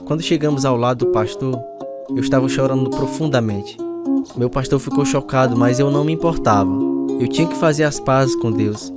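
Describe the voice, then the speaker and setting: A man's voice: mid-range voice, brisk, lightly acted. An actor playing a troubled, repentant man telling his own story as a dramatised radio testimony. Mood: reflective. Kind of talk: first-person dramatised testimony narration. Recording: music behind the voice.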